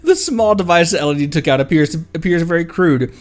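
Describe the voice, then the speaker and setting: A man's voice: a little high, lively intonation, fast talker. A male streamer giving casual, joking commentary over a game, reading on-screen text aloud, laughing and swearing.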